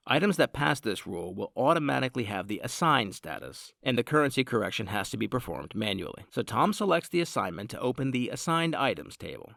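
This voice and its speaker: A man reading a scripted software tutorial in a measured, formal, explanatory way. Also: medium pitch, vocal fry, no echo, studio quality. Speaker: product tutorial narrator.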